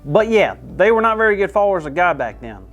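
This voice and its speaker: A woman playing an excitable, goofy young male host of a children's church show, with an over-the-top, bouncy delivery. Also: fairly low pitch, fast talker, soft background music. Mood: bluffing. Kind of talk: kids' church comedy skit.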